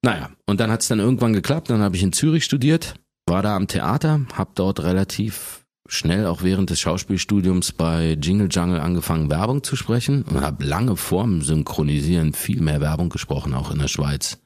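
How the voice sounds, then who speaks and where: A man in his forties with an extremely deep bass voice, telling stories casually as the guest in an interview. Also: moderate pace, few pauses, darkish tone, no room sound. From Germany.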